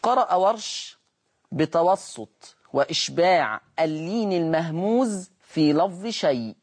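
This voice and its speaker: A man's voice: on the high side, expressive, husky. Man teaching Quran recitation. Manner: patient, repeats words slowly to demonstrate pronunciation. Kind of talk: televised Quran lesson, explaining Warsh reading.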